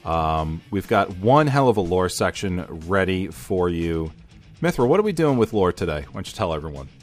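Male host, low and animated, upbeat with lots of "uh"s, faint music bed. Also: normal speed. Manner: energetic, repeats himself, many fillers. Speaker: podcast host. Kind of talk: casual chat.

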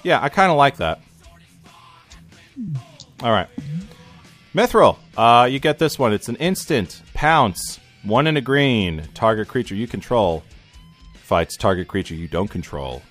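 A man hosting a casual podcast chat, reading game cards aloud in an animated way with plenty of fillers and restarts. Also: mid-range voice, soft background music. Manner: animated, halting with frequent fillers. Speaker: podcast host.

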